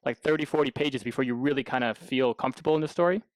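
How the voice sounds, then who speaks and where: A man interviews a guest as a podcast co-host. He talks quickly and casually, in a mid-range voice with a dry, echo-free sound. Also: medium pitch.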